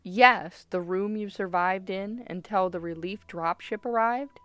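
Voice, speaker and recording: A woman's voice: mid-range voice, measured pace, fairly bright tone, natural voice. A woman playing a ruthless, impatient doctor leading an interrogation in a radio play, clipped and commanding. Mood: pressing.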